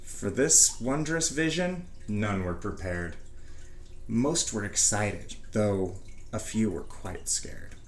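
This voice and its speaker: Slow-paced man reading in an echoey room. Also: lowish voice, expressive. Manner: measured, theatrical phrasing with pauses. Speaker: storybook reader. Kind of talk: dramatic reading of a rhyming storybook. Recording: echoey room, faint background noise.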